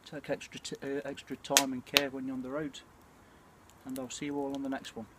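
A British man in his forties chatting casually and reflectively to camera, with a hesitant, throat-clearing delivery. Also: medium pitch, little pitch movement, brisk. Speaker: bushcraft vlogger. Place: outdoors at night by a small campfire. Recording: clear ambient noise of an outdoor campfire.

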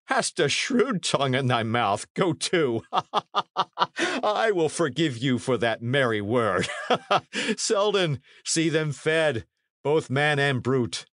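A man's voice: fairly high pitch, lively intonation, slow, a bit bright, no echo, studio quality, pitched above the performer's own voice. A man voicing a blustering, mocking middle-aged knight who jeers and guffaws. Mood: jovial. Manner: boisterous, jeering, laughing.

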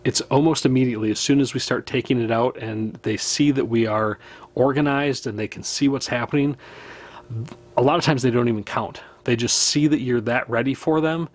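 A man, hosting a fishing channel and talking casually to camera about trip gear, relaxed and practical, with small laughs. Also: mid-range voice, fairly quick. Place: indoors, small room with wood-panel wall.

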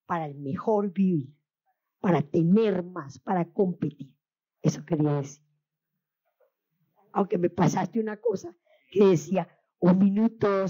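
A woman talks on a panel in a reflective, conversational manner. Her voice is husky and somewhat low. The recording sounds dull and lo-fi. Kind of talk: panel talk.

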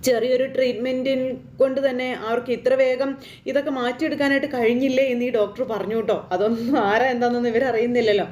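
A woman's voice: on the high side, steady tone, fast, darkish tone, reverberant, a little hiss or hum. A woman chattily retelling a TV serial episode, rambling with fillers and tag words. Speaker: serial recap narrator.

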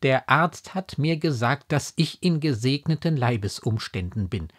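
A desperate young noblewoman pleads in lofty, impassioned phrases, as a man reading a storybook puts her on. The voice sits well above his own and carries a husky edge. Each phrase swings widely in pitch. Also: animated, unhurried. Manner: impassioned, elevated classical diction.

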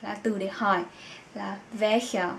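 Slow-paced woman teaching in an echoey room. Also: medium pitch, fairly even intonation, vocal fry. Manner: explains in Vietnamese, says German words slowly and repeats them. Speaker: German language teacher. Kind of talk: language lesson for Vietnamese learners. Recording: echoey room with faint background noise.

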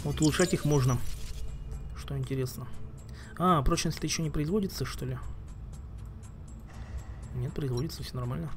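A man's voice: fairly high pitch, normal speed, long pauses, over music. A man giving casual gameplay commentary as a streamer, thinking aloud and muttering asides while he plays. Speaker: game streamer.

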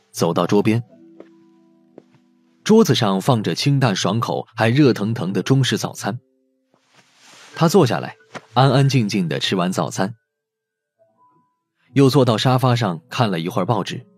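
A man's voice: lowish voice, a little mellow, husky. A man reading a novel aloud as a dramatic audiobook narrator.

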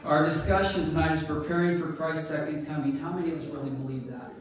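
A man giving an informal, conversational church talk with a loud, folksy delivery. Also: on the high side, steady tone, quick pace. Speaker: church speaker. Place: church sanctuary. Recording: echoey church hall, distant mic.

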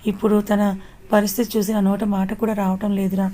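A woman's voice: mid-range voice, little pitch movement, fairly quick, warm tone, lightly acted. A woman voicing a worried, loyal young man pleading with his friend, in a Telugu audio story. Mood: remorseful.

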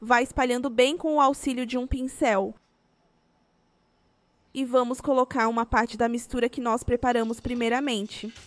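A woman's voice: a little high, steady tone, moderate pace. A woman with a Brazilian Portuguese accent, reading a scripted recipe voice-over as host.

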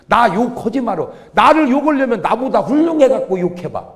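A man's voice: very high-pitched, fairly quick. A male pastor delivering a humorous revival sermon, telling stories and acting out the quotes. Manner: lively storytelling with acted-out quotes. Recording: long reverb of a church hall.

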